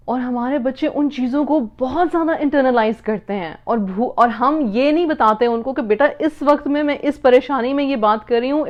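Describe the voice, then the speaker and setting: A woman's voice: a little high, lo-fi sound. A woman hosting a casual live-stream parenting talk, earnest and rambling as she lectures.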